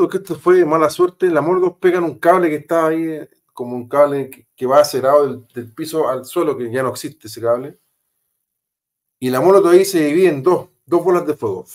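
A man with a Chilean accent, a former police officer, telling a story as an interview guest, emphatic and repetitive with casual slang. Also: on the high side.

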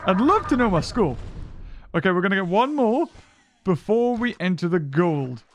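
A man giving excitable, rambling let's play commentary into a desk microphone, thinking aloud as he plays. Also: high voice, normal speed, noisy background. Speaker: gaming commentator.

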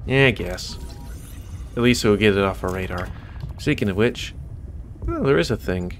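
A man's voice: on the low side, lively intonation, normal speed, slight background noise. An American man giving casual, rambling let's play commentary with wry asides. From United States. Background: video game music.

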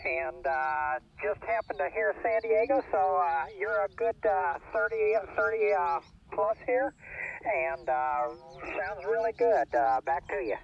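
A man's voice: sits high, a little slow, creaky, recorded from a distance. A man chatting casually as an amateur radio operator, heard over a radio link. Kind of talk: casual radio contact chat. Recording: dull ham radio reception, faint noise.

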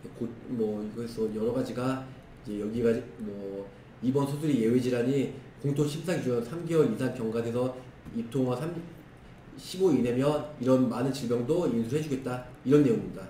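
Hoarse man listing insurance figures. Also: mid-range voice, mellow, recorded from a distance. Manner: brisk, listing figures in clipped phrases. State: hoarse, strained throat. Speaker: insurance product explainer. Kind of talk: screen-share product walkthrough. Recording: roomy echo, voice off-mic with faint noise.

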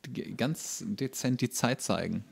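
A man in his thirties co-hosting a casual podcast, making dry, deadpan quips with hesitant fillers. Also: medium pitch, measured pace, gravelly, slight background noise. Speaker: podcast co-host. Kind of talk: casual chat.

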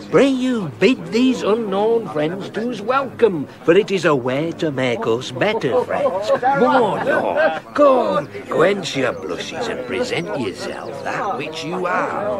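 Old shepherd, jovial widower; slow and very lively in pitch, radio play over loud crowd. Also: male voice, full character voice. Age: older. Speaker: actor. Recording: loud crowd noise behind.

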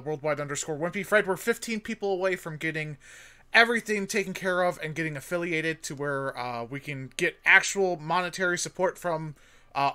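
A man's voice: a little high, pushed and bright, clear, resonant tone. A man co-hosting a podcast while streaming a game, chatty and full of fillers. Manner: chatty, promotional, filler-heavy.

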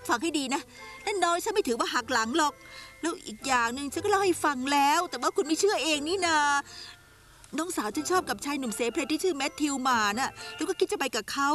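A woman's voice: high-pitched, expressive, fast, a bit bright, faint music behind. A woman dubbing a Thai TV drama, playing a self-assured female ghost who insists she meant no harm. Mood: defensive. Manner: defensive, insistent.

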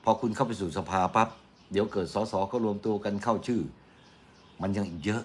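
A man's voice: fairly low pitch, fairly quick, breathy edge. A middle-aged man from Thailand giving casual, argumentative morning news commentary on radio, chatty and quoting his critics mockingly.

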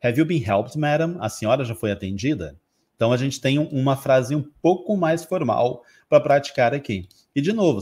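Husky Brazilian man teaching English phrases. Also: mid-range voice, darkish tone. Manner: explains patiently, repeating English phrases slowly for practice. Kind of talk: online English lesson.

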